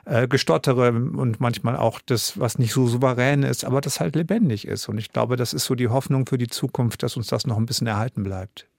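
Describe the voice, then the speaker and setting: A middle-aged man answers questions in a radio studio, thinking aloud and often restarting his sentences. His voice sits at an average pitch and sounds close and dry, with no room behind it. He comes across as reflective and a little self-doubting. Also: brisk, vocal fry, few pauses, a little mellow, no room sound. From Germany. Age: 50s. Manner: thoughtful, self-doubting, rambling with fillers and restarts. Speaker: guest, radio drama director and author.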